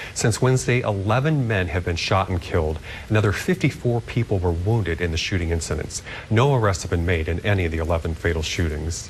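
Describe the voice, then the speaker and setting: A man with a very deep, low pitch speaks at a very fast pace with lively intonation. Noticeable background noise is present. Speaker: news anchor. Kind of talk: TV news anchor read.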